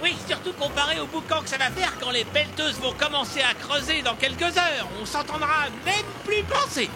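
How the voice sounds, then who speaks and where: A woman voicing a brisk, confident young mechanic boss in a cartoon dub, energetic, cheerful and commanding. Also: sits high. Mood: confident, breezy. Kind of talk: French cartoon dubbing. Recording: loud music and busy outdoor clamour behind.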